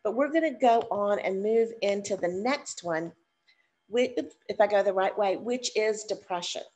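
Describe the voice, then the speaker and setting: A woman's voice: medium pitch, normal speed, a little mellow. An older woman teaching dementia care over a video call, chatty and encouraging, her voice stuffed up from a cold. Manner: chatty, encouraging, addresses audience as y'all. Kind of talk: live online teaching session. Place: living room, seated on a sofa. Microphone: webcam on a video call.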